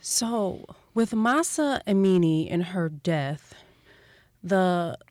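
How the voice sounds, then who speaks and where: A woman hosting an interview show, introducing her guest and asking measured, prompting questions. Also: fairly low pitch, lively intonation, darkish tone, no echo, clean studio sound. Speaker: podcast host.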